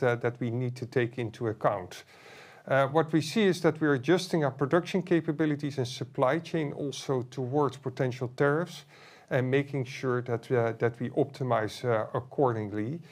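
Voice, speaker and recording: Man, chief executive, medium pitch, corporate earnings presentation, halting phrasing.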